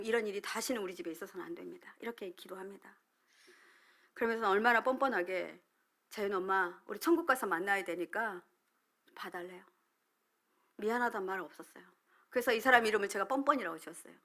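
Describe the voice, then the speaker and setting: Middle-aged lady pastor preaching, tells her own story, drops to whispers then gets loud. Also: mid-range voice. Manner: shifts between loud emphasis and hushed whispers. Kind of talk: sermon with personal testimony.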